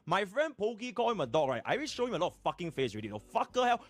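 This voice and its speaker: A man with a Singaporean accent ranting indignantly on a livestream, swearing in rapid Singlish. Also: high-pitched, big pitch swings. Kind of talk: heated livestream rant.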